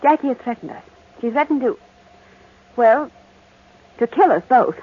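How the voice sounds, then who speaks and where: A woman's voice: fairly high pitch, big pitch swings, moderate pace, slightly rough. An actress playing a rich, imperious, anxious young married woman in old-time radio melodrama, with an emphatic, theatrical delivery. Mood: indignant. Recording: muffled, noisy old radio recording.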